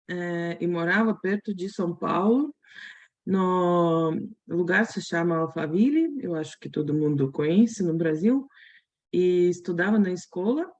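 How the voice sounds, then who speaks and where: A woman's voice: mid-range voice, a little mellow, lo-fi sound. A woman in her thirties from the Russian Far East, speaking with a Russian accent and a learner's grammar slips, presenting in a friendly way at a webinar. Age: 30s. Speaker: interpreter and company owner. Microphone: video call.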